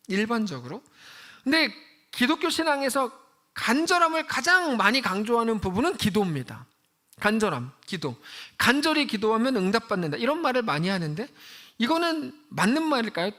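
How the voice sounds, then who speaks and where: A woman's voice: on the high side, fairly bright tone. A woman pastor giving a conversational sermon in a church and asking her listeners one rhetorical question after another. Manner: conversational, asks the congregation many rhetorical questions.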